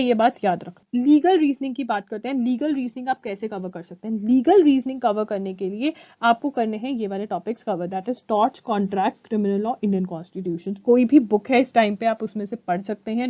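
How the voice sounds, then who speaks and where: Young female tutor, higher voice, dry slightly muffled mic, direct and repetitive. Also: dark tone, dry recording. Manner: direct, repeats key points, checks in with "ठीक है?". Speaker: exam coaching educator. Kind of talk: Hinglish exam-prep lesson to camera.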